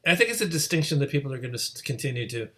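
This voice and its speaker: A man's voice: medium pitch, sing-song, rapid-fire, fairly bright tone. A man hosting an informal discussion, hesitant and self-deprecating, repeating words as he thinks aloud. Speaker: host moderating a panel discussion. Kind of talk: informal interview conversation.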